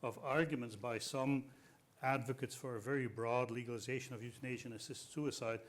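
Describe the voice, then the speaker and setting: A man's voice: mid-range voice, fairly even intonation. Middle-aged Belgian-born man, native Dutch speaker. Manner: measured, hesitant, many uh fillers. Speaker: law professor panelist. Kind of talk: panel discussion.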